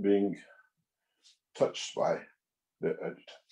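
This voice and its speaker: Here a man speaks with a non-native accent. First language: not English. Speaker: workshop teacher answering questions. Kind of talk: Q&A teaching session.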